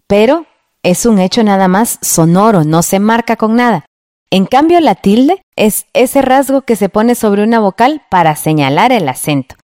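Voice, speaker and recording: A woman teaching a radio lesson in a clear, patient way, checking in with the listener. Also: mid-range voice, dark tone, no room sound, clean studio sound. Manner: clear, patient, asks ¿verdad?.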